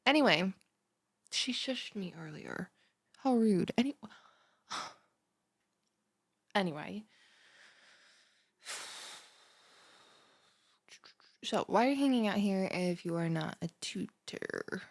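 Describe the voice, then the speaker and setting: A woman's voice: mid-range voice, lively intonation, takes it slowly, long pauses, no echo. A young woman playing a scatterbrained, chatty, bubbly student in a one-sided audio roleplay, rambling like a valley girl straight at the listener. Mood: curious, insistent. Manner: rambling valley-girl chatter full of "like", sighs and breathy asides. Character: chatty, scatterbrained, over-caffeinated bimbo female college student, bubbly and blunt.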